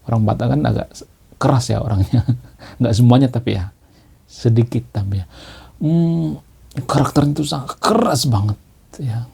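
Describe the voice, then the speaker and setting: A man gives a leisurely, explanatory monologue laying out his views, often repeating key words and ending phrases with a questioning tag "ya." His voice is medium-pitched, warm and husky with vocal fry, at normal speed with long pauses.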